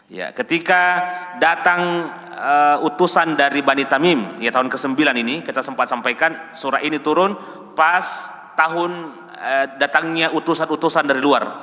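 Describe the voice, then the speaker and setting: A male preacher giving a study sermon in a mosque, swinging from raised emphatic calls to soft, low asides. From Indonesia. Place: large mosque hall. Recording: long hall reverb.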